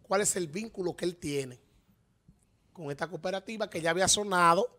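Animated Dominican man co-hosting a talk show. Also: high voice, a little fast. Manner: animated, gesturing, emphatic rhetorical questions. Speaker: radio show co-host. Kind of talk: casual panel commentary. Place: TV-radio studio. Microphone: studio microphone on desk stand.

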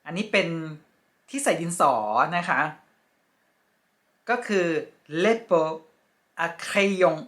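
A woman teaching French vocabulary from picture cards, speaking slowly and politely and repeating each word with care. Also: fairly low pitch. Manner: polite, ending phrases with soft particles. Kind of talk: casual lesson with picture cards.

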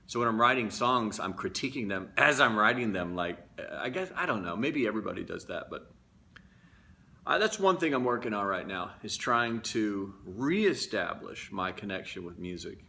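A man's voice: on the low side, lively intonation, moderate pace, creaky, pushed and bright. A man talking casually and candidly to his viewers, reflective and confessional. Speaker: vlogger. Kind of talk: casual talk to camera.

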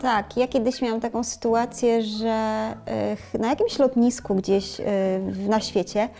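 Young woman chatting, candid and expressive, bit high pitched, faint music in the back. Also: unhurried. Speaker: co-host. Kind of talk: casual chat. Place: bright room with flowers. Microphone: lapel mic.

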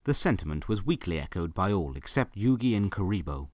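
A man's voice: deep voice, sing-song, brisk, a little mellow, no echo, studio quality. A man giving scripted narration for a story, as the narrator of an audio drama.

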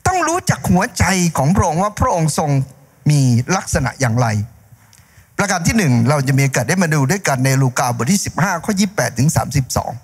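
A man in his fifties preaching a sermon on a church stage, holding a handheld mic, animated and gesturing. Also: a little high, quick pace, slightly rough. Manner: animated, gesturing preacher acting out story voices. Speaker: pastor. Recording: long hall reverb.

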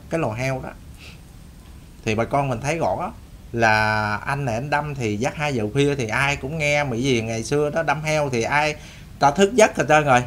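A man's voice: mid-range voice, a bit bright, a little hiss or hum. A man with a Southern Vietnamese accent telling a story to his audience in a rambling, folksy way, repeating and restarting phrases. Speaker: storyteller host. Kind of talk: casual spoken storytelling to an audience.

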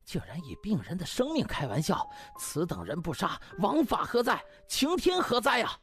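A man voicing a hot-headed, grieving son who shouts accusations in a comic audiobook. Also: high voice, huge pitch swings, normal speed, breathy edge, voice pushed up, exaggerated voice. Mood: enraged. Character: enraged, grieving son of a patient, shouting for vengeance.

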